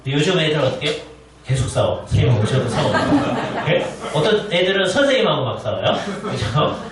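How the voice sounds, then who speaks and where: Echoing preacher in a big church hall. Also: male voice, a little high. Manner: conversational, often asks the congregation "right?". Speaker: guest preacher, professor. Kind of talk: sermon at a Bible conference. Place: church sanctuary. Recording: very echoey church hall, distant mic, faint noise.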